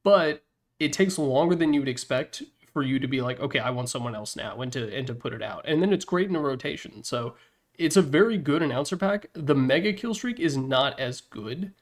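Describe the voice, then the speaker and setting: A man's voice: mid-range voice, expressive, fairly quick. A man giving casual, opinionated video game commentary as a presenter, speaking informally with slangy emphasis. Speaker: presenter ranking game announcer packs.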